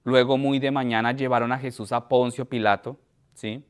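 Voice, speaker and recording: A man preaching a sermon in a church, his voice smooth and resonant at an ordinary middle pitch. He reads scripture aloud in an even, measured way, then talks to the congregation with pauses and restarts. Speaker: pastor.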